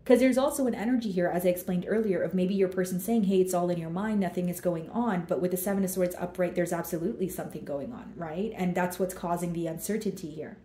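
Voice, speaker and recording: A woman giving a casual tarot reading, chatty and relaxed, talking through the cards as she draws them. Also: on the low side, fast talker, few pauses, echoey room. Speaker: tarot reader.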